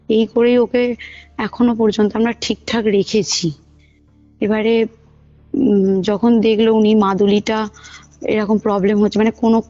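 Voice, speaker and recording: A woman's voice: medium pitch, dark tone. A woman telling a personal story casually as a caller, acting out the dialogue she quotes, on a phone call recording. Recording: muffled phone call recording, music underneath. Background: background music.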